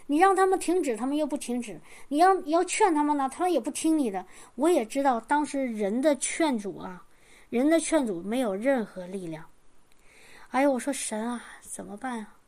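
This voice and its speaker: A woman's voice: high-pitched, animated, darkish tone. Earnest middle-aged woman giving testimony. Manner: earnest, halting storytelling with many restarts. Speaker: church member sharing a testimony. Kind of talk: testimony told to a congregation.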